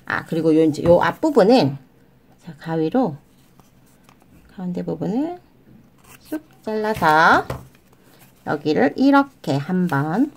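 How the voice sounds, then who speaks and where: A woman hosting a children's origami tutorial, explaining each fold step by step in a gentle, sing-song way and addressing the kids as friends. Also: lowish voice. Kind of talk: step-by-step craft instruction.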